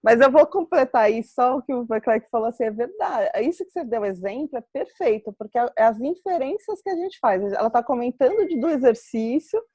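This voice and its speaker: A woman's voice: fairly high pitch, animated, fairly quick, hardly any pauses, dark tone, husky, no room sound, clean studio sound. A Brazilian woman hosting a live webinar, explaining in an earnest, reflective way with personal examples over a video call. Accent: Brazilian Portuguese. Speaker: webinar host.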